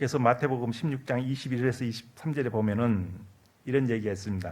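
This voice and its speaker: This is a man with an ordinary speaking voice, pitched in the medium range. His pitch moves in an ordinary way, and the recording is very clean with a silent background. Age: 60s. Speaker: missionary preacher. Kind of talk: sermon.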